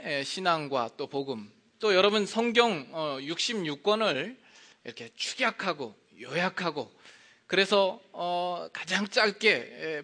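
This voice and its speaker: A male pastor giving a conversational sermon in a church, often pausing with hesitation fillers between phrases. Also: high-pitched, bright, forceful tone. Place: church sanctuary.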